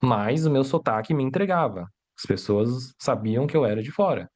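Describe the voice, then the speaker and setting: This man's medium-pitched, darkish voice is animated and moves at a moderate pace. A second-language Portuguese speaker, he teaches Mandarin during a livestream, breaking things down step by step with rhetorical questions and a steady stream of "né?" and "tá?".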